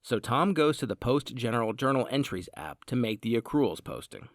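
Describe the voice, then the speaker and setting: A man narrating a scripted software demonstration in a measured, explanatory way. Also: mid-range voice, very animated, no room sound, studio quality. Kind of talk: scripted product tutorial narration.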